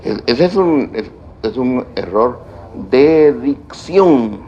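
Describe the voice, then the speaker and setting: A man giving a university lecture on grammar, speaking deliberately and listing points one by one. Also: mid-range voice, expressive, darkish tone, lo-fi sound. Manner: slow, deliberate delivery with stretched pauses and lists. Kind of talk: classroom lecture on grammar and writing.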